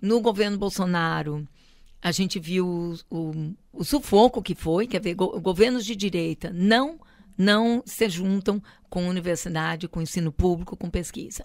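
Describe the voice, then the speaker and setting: A woman uses a normal speaking voice at medium pitch with ordinary pitch variation, on a very clean recording with a silent background. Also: fairly slow pace. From Brazil, São Paulo state. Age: 60s. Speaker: epidemiology professor. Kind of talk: interview.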